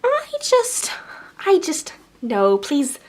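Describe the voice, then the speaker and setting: A young woman vlogs a book review straight to camera in a high, bright voice. She is chatty and gushing, and her eager talk runs on. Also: wildly swooping pitch, extremely slow. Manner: chatty and gushing, jumps into playful mock voices. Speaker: book vlogger.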